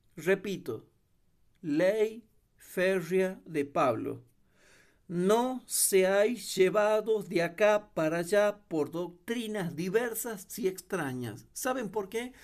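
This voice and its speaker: At a very slow pace, a man speaks at a high pitch with ordinary pitch variation. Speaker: bible teacher. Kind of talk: religious class lecture.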